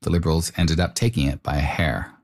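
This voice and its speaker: A man with a very low voice narrates a documentary report. His delivery is measured and explanatory. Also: fairly even intonation. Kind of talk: scripted narration and interview questions.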